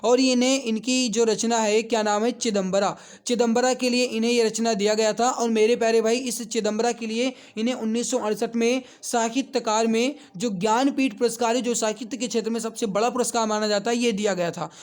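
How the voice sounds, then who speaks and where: A man's voice: very high-pitched, steady tone, fairly quick, few pauses. A man teaching an online exam coaching lesson, walking through questions, repeating answers for emphasis and addressing viewers directly.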